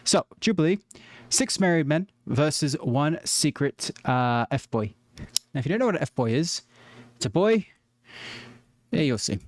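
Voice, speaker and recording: A man's voice: a little high, animated, a little slow, no room sound. A man streaming, chatting casually and joking with his viewers as he reacts to videos.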